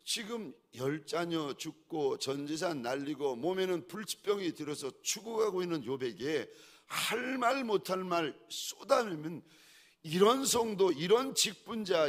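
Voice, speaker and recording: A male pastor preaching with a fairly high voice that leaps up and down in pitch. He talks slowly and deliberately, dropping to hushed pleas and then rising to loud exhortation. He keeps repeating phrases and throwing rhetorical questions at his listeners. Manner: swings between hushed pleading and loud exhortation; repetitive, rhetorical questions to the congregation. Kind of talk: sermon.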